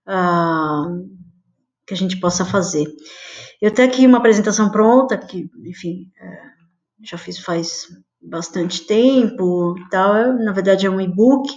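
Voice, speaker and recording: A middle-aged woman chatting casually through a screen-share design tutorial, full of fillers and friendly pet phrases. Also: mid-range voice. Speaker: design instructor. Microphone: webcam video call. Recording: slightly dull lo-fi webcam audio.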